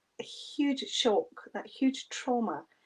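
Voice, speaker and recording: A woman speaks with a Scottish accent. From Scotland. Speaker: charity worker. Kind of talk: interview.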